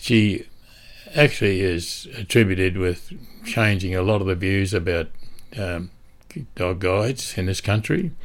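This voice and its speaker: This man has an Australian accent and a fairly low pitch, with ordinary pitch variation. He talks at a fairly slow pace, leaving long, frequent pauses. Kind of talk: interview.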